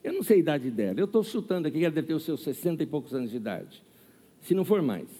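A male pastor preaches in a high, animated voice that swings widely in pitch, asking the room questions and acting out what people say. His tone is mellow and a little husky. Long reverb from the church hall trails behind every phrase. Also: racing. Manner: lively preaching with rhetorical questions and acted quotes. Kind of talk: sermon.

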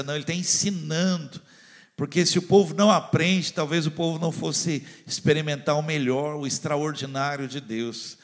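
A man, preaching a sermon and leading prayer, fervent and repetitive, moving from hushed pleading to loud urging. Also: a little high, gravelly. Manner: addresses listeners directly, repeats phrases. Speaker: pastor.

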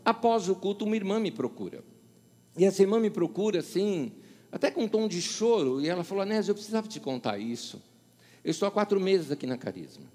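A man's voice: high-pitched, fast talker, in a large hall. A male pastor with a Paulistano Brazilian Portuguese accent preaching a sermon, telling stories and acting out the dialogue. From São Paulo, Brazil. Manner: storytelling, acting out dialogue with lively shifts.

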